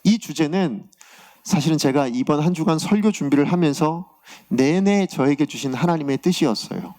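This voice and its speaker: A male pastor with a slightly high voice preaches at a normal speed, telling a confessional story about his own week. He's animated and acts out, in a raised voice, the words he heard from God in prayer.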